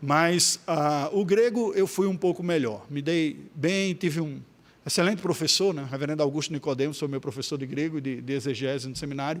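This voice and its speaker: A man speaks at a fairly high pitch and a moderate pace, with ordinary pitch variation. The recording is very clean, with a silent background. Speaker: Sunday school teacher, Presbyterian pastor. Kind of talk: lecture.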